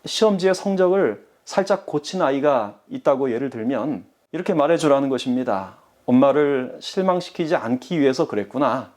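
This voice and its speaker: A man's voice: medium pitch, expressive, normal speed, few pauses, darkish tone. A man preaching a sermon as pastor, speaking earnestly and addressing the congregation directly.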